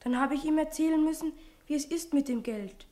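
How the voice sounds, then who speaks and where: A woman playing an earnest, warm-hearted schoolboy in a radio play. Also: high voice, brisk, lightly acted. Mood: earnest, happy.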